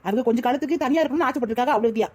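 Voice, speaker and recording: An earnest young pregnant wife from a cartoon, voiced by a woman, reassuring her elders in a Tirunelveli Tamil accent. She talks very fast in a high but mellow voice. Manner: reassuring, reasoning. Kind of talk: cartoon voice acting.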